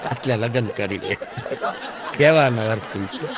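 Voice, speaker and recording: A man's voice: a little slow, in a large hall, a crowd in the background. A man doing stand-up, giving mock advice in a lecturing tone on a live stage. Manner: mock-lecturing, lively swings in pitch. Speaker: stand-up comedian. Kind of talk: Gujarati stand-up advice bit.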